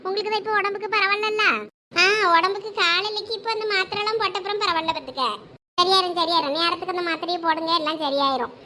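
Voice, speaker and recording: A woman's voice: extremely high pitch, fairly even intonation, bright, forceful tone, slight background noise. A woman voicing a protective, outspoken middle-aged village mother in a cartoon, with a Thoothukudi Tamil accent and a scolding manner. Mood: chatty. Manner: scolding, quick retorts. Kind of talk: cartoon voice acting.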